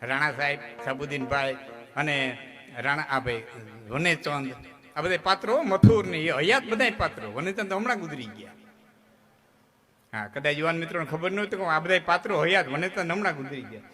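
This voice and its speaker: A man's voice: fairly high pitch, lively intonation, a little fast, pushed and bright. A man with a Kathiawadi Gujarati accent telling humorous folk stories on stage, chatty and jokey, often checking in with his listeners. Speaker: folk storyteller. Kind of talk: live humorous folk storytelling. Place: stage before a live audience. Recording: live audience noise. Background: crowd.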